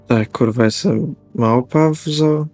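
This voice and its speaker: A man's voice: medium pitch, slow pace, darkish tone. A man playing a tabletop role-playing game, improvising casually in and out of character in a blunt, sweary way. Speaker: tabletop role-play player. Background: faint music.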